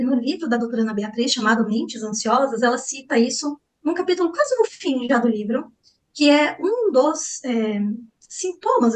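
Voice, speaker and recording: A woman's voice: a little high, far from the mic, low-quality recording. A woman therapist teaching a live online class, talking animatedly and acting out little dialogues as she explains. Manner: animated, acts out dialogue, frequent "né?" and "tá?".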